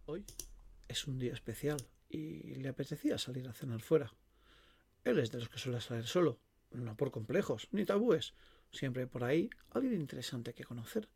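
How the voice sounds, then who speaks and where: A man narrating a horror short story dramatically and expressively, savouring his pauses and words. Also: medium pitch, expressive, creaky, a little mellow, breathy edge.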